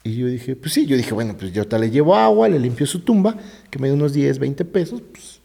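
A fast-talking gravedigger guest, middle-aged with a Mexican accent, tells ghost stories with energy in a husky voice laced with vocal fry. His vivid conversational storytelling dips often into hushed low tones, recorded with roomy reverb.

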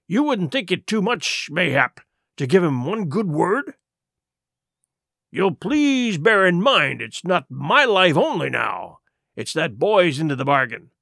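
A man voicing a cunning, weathered pirate who speaks in a rough sailor's dialect. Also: a little high, sharp tone, no echo, studio quality, full character voice. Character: cunning weathered male pirate, old sea cook.

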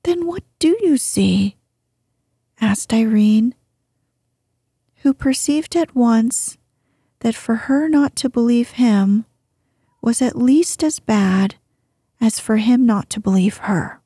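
A woman narrating a storybook chapter in a hushed, breathy reading voice. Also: a little high, takes it slowly, long pauses, no echo, studio quality. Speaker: audiobook narrator.

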